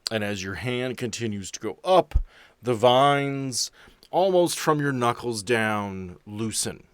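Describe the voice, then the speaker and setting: A man running a tabletop game as game master, improvising narration in deliberate, descriptive phrases. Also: mid-range voice, animated, clean tone, dry recording.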